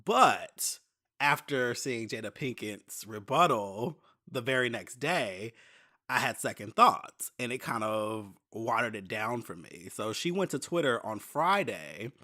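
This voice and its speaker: A man's voice: mid-range voice, lively intonation, a little slow, sharp tone. A man from California hosting a podcast, chatting casually and laughing often. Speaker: podcast host.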